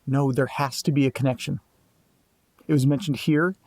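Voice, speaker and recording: A man's voice: medium pitch, steady tone, normal speed, darkish tone, no room sound, lightly acted. An actor playing a troubled young man who doubts his father, talking in an insistent, searching way. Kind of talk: audio drama dialogue.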